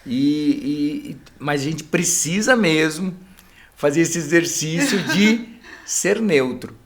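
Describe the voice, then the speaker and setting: A middle-aged couples therapist with a Brazilian Portuguese accent chats casually as a podcast guest, speaking slowly in an expressive voice on the high side. He explains things, habitually tacking a filler onto the end of his phrases.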